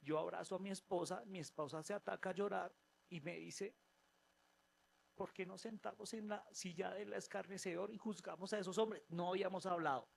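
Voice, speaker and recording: A man with a fairly high voice tells a personal testimony in church. He talks with lively animation, breaks off and restarts his phrases, and acts out the voices in his story. A faint noise sits behind him. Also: moderate pace, vocal fry. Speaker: church member giving testimony. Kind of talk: spoken testimony in a church service.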